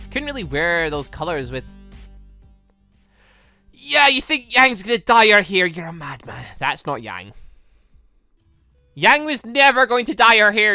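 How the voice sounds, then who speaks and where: A gaming host doing let's play commentary and reading game dialogue aloud, animated and rambling, with self-questioning asides. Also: medium pitch, no room sound. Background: game music.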